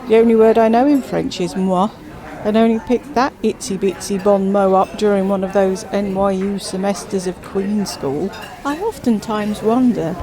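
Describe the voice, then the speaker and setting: A woman's voice: medium pitch, lightly acted. A woman voicing a chatty, self-absorbed widowed queen who drawls with grand theatrical emphasis.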